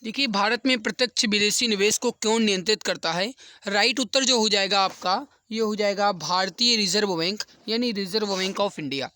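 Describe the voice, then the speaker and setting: A man with a high, bright, forceful voice teaches an exam class. He works through quiz questions step by step and repeats key answers for emphasis. The sound is dry and close. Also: normal speed, no room sound. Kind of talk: explanatory quiz lesson for exam students.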